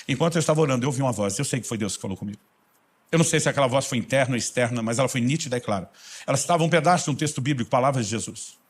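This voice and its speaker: Fast-talking Brazilian pastor, husky voice. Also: male voice, mid-range voice. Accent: Brazilian Portuguese. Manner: fervent storytelling preacher. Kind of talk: sermon.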